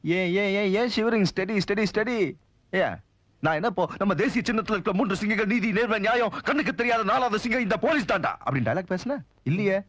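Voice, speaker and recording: A swaggering, sarcastic police officer in a dubbed action film. His voice sits high and leaps about as he mocks the people around him. The sound is dry and close. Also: fast, dry recording. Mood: mocking. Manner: mocking, swaggering, lively delivery. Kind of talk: Tamil film dub dialogue.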